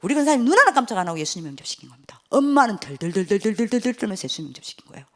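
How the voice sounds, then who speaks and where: A woman evangelist preaching a sermon, telling a story and acting out the dialogue, often dropping to a hushed whisper for quoted lines. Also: medium pitch, big pitch swings, rapid-fire. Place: church youth retreat hall.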